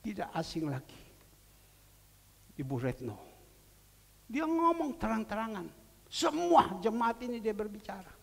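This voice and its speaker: A male pastor preaching a sermon in a church, swinging from soft, low asides to loud, emotional emphasis. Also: sing-song, unhurried, gravelly, pauses often, big-room sound. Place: church sanctuary.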